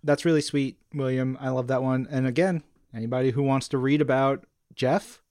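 A man's voice: medium pitch, fairly even intonation, normal speed, darkish tone, no echo, clean studio sound. A man co-hosting a podcast, reading listener messages and chatting in an enthusiastic, conversational way. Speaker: podcast co-host. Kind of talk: casual chat and reading listener mail.

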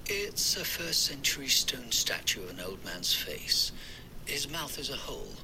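An actor playing a chatty older father who drops to a hush when telling stories. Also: medium pitch, very animated, a little slow, background noise. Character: genial older father, fond of trivia.

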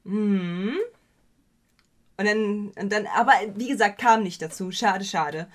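A woman's voice: medium pitch, slow. A woman hosting a podcast, chatting casually with lots of fillers and self-corrections, dropping English slang into her talk. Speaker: podcast host. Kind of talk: casual chat.

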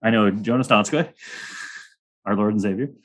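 A man's voice: lowish voice, moderate pace, fairly bright tone. A young man hosting a sports podcast in casual chat, rambling and joking with crude humor. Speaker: podcast host.

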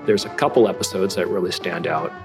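A man's voice: deep voice, fairly even intonation, fairly quick, over music. A middle-aged man from California, a guest artist talking reflectively in an interview, with restarts and fillers. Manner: reflective, self-deprecating, many restarts and fillers. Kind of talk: relaxed conversational interview.

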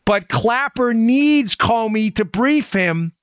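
A man's voice: very high voice, lively intonation, slow, fairly bright tone, smooth, no room sound, studio quality. A man hosting a political talk show in an emphatic, insistent monologue, firing rhetorical questions at his listeners.

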